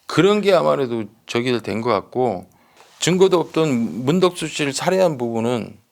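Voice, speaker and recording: Gravelly guy doing true crime talk, explains stuff emphatically, repeats himself, checks you agree. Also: mid-range voice, big pitch swings, moderate pace. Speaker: true-crime commentator with detective background. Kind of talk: conversational case commentary.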